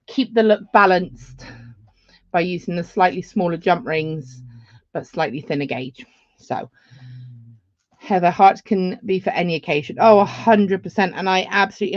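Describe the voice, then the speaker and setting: A woman's voice: mid-range voice, dry recording, muffled recording. A woman, giving a chatty live beading tutorial with rambling asides. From England.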